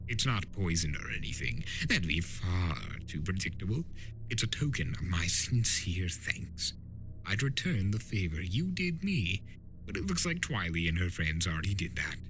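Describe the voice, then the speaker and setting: A man's voice: sits low, very animated, moderate pace, a bit bright, slight background noise, heavily acted, rough recording. A man voicing a mischievous chaos spirit from a cartoon, theatrical and swooping in delivery. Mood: casual, taunting. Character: mischievous male chaos spirit, mocking yet remorseful. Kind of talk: dramatic fan fiction reading of a cartoon trickster.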